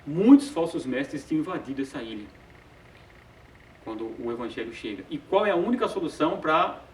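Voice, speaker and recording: Guy teaching bible study, kinda high voice, stumbles on fillers a lot, far off mic in an echoey room. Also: big pitch swings, brisk, slight background noise. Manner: hesitant, repeats filler sounds, chuckles often. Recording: roomy sound from a distant mic.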